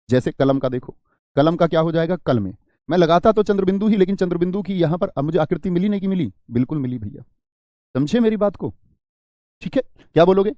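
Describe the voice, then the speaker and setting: A man leads a live online grammar lesson, firing questions at his students and repeating each word. His voice is mellow and a little high. The sound is dry and close. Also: dry recording. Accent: Hindi. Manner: questioning, repeats words, reads out student comments. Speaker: teacher.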